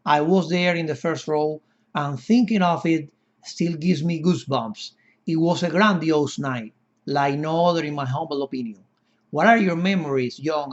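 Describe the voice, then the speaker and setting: A man's voice: on the high side, lo-fi sound. A man in his fifties, born in Cuba, hosting a podcast interview in an earnest, effusive and formally worded way. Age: 50s. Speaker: podcast host.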